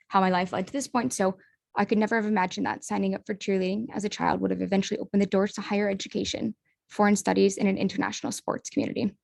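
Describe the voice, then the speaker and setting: This is a young woman from the United States presenting in an online webinar. Her mid-pitched voice has heavy vocal fry. She moves briskly and in a friendly way, with filler words, heard through a video-call mic.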